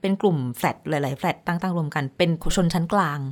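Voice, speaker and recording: A woman radio host telling a news story in casual chat, animated when quoting. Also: fairly low pitch, quick pace.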